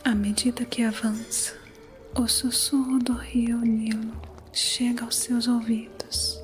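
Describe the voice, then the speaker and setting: A woman narrating an ASMR guided meditation in a soothing, unhurried manner. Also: a little high. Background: music.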